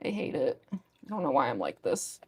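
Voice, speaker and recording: A young woman with a gruff voice that is going hoarse, chatting casually with viewers on a livestream in a rambling way full of fillers. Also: extremely low pitch, sing-song, fairly quick. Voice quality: gruff, smoker-like voice. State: losing her voice. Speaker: livestream artist. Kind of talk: casual chat with stream viewers.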